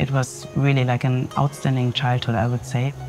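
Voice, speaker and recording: Clear music plays behind a woman with a very deep, low pitch. Her intonation stays fairly even. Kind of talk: interview answer. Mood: reflective, warm. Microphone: lapel.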